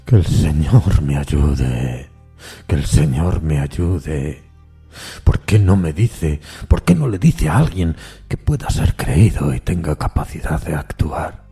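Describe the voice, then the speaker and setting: A man voicing an anguished railway signalman who pleads slowly and desperately in an audio drama. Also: rumbling low, animated, warm tone, husky, soft background music, pitched below the performer's own voice, heavily acted. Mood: anguished pleading.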